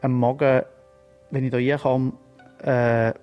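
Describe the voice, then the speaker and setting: A man's voice: mid-range voice, flat delivery, slow pace, lo-fi sound, faint music behind. A man, an artist, talking casually and hesitantly in an interview, with many restarts. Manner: hesitant, full of fillers and restarts. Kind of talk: casual chat.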